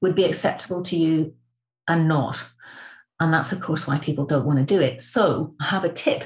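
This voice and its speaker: The pace is moderate. This woman's voice comes out somewhat breathy. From Scottish Highlands. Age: 60s. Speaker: grief author and end-of-life planning nonprofit founder. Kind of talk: interview conversation.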